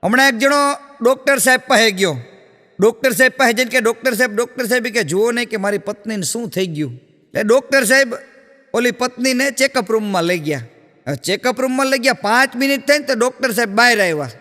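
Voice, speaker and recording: A man with a high, bright voice tells stand-up jokes and acts out the dialogue. The hall adds a long echo around him. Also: animated, a little fast. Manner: tells joke stories with acted dialogue. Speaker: stand-up comedian. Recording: live stage in a hall.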